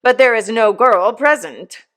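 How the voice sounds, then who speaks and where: A woman's voice: mid-range voice, sing-song, unhurried, fairly bright tone. A woman doing a sermonizing pompous clerk. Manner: sermonizing, self-important. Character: pompous preachy church clerk, a middle-aged man.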